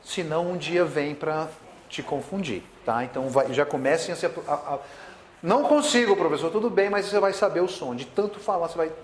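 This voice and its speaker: A man's voice: fairly high pitch, a little fast, echoey room, slight background noise. A man with a Brazilian accent teaching English in a classroom, drilling words with repetition and switching between English and Portuguese. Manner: plays imagined student questions. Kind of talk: classroom video lesson.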